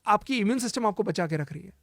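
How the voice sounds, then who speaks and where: A man with a fairly high voice gives emphatic health advice as a cancer healer. He hammers his warnings home by repeating them and slips English phrases into his Hindi. The sound is close and dry, with no room around it. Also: lively intonation, quick pace, fairly bright tone, no room sound. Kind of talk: advice-giving interview talk.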